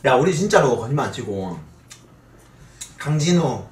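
A man in his twenties chatting casually on a live stream as host, bantering and swearing in an animated way. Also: medium pitch, normal speed, recorded from a distance, a little hiss or hum. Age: 20s. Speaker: streamer hosting a mukbang talk show with a guest. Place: small indoor streaming room. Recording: roomy echo, off the mic.

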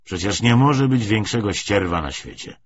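A man's voice: fairly low pitch, animated, moderate pace, breathy edge, no room sound. A man voicing an indignant, brash young man in an audiobook novel, blunt and contemptuous. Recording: slightly dull, muffled recording.

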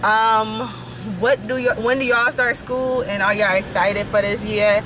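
Filming herself on a handheld phone at arm's length, a young woman chats to her viewers in a slightly high, steady voice, a little slowly. Her voice is a bit raspy after yelling at a concert, yet she laughs a lot and keeps addressing everyone as "y'all." Background noise follows her from the car into a store.

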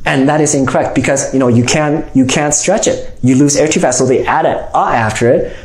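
A man's voice: medium pitch, fairly quick, a little mellow. A man in his forties teaching an instructional phonics lesson in an explanatory way, often checking in with "okay?". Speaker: reading teacher. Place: small room indoors. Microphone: lapel mic. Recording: roomy, echoing indoor sound.

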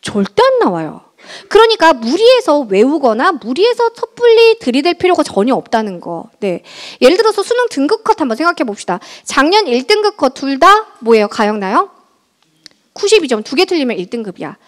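A woman math teacher giving a lively exam-prep lecture to high school students in a large school auditorium, chatty and often checking in with her listeners. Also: fairly quick. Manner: chatty, keeps checking in with the audience.

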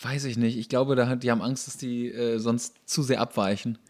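A man's voice: mid-range voice, steady tone, fairly quick, a little mellow. A man co-hosting a podcast, making casual reaction commentary in a dry, mocking way. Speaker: podcast co-host.

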